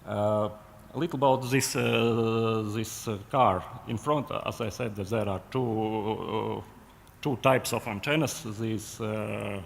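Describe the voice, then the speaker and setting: A man with a Latvian accent giving a technical conference presentation, halting with many fillers and restarts. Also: on the low side, vocal fry, slight background noise. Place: large conference hall. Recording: long hall reverb, faint ambience.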